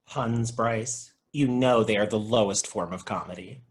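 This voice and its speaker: An actor playing an earnest, dry movie-buff video store clerk in an animated comedy table read. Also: male voice, on the low side, unhurried, natural voice.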